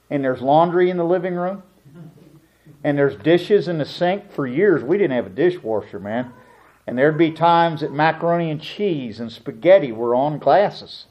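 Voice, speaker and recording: Middle-aged male pastor, high-pitched, slow unhurried delivery, muffled recording. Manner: storytelling, animated, acts out family voices. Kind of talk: sermon.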